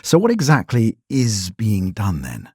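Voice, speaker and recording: A man playing a composed radio news host in a sci-fi audio drama, speaking in a measured, formal, probing way with a husky voice. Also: fairly low pitch, huge pitch swings, a little mellow, no room sound, studio quality, heavily acted. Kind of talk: scripted broadcast news delivery in an audio drama.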